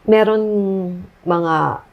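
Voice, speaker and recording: A woman's voice: on the low side, very slow, creaky, clear, resonant tone, muffled recording. Filipino woman giving a personal testimony. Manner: recounts quotes, switching between Tagalog and English. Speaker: guest.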